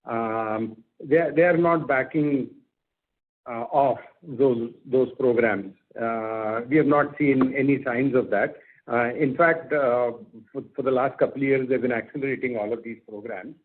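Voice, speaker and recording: A man's voice: medium pitch, measured pace, a little hiss or hum. Male executive on tinny phone line. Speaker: company executive. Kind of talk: explaining business outlook on an earnings call. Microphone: telephone conference call.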